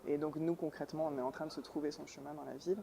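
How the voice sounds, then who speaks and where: A woman in her thirties, raised in New York, talks about her documentary work in an interview. She speaks in a reflective, searching way, often pausing to find the right word. A faint hum of noise sits behind her voice. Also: low-pitched, fairly even intonation, gravelly, mellow. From New York, United States. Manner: thoughtful, hesitant, searching for words. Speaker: documentary filmmaker.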